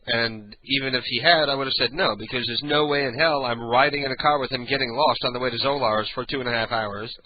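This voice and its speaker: A raspy, booming older man hosts profane, casual late-night radio, rambling through stories and often clearing his throat. His ears and sinuses sound clogged. He keeps a steady tone at a quick pace with hardly any pauses, and the audio is dull.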